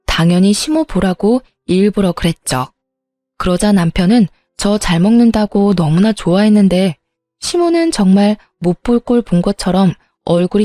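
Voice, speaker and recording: A woman narrating a dramatized story in a calm, steady manner and voicing herself in it. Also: mid-range voice, no echo.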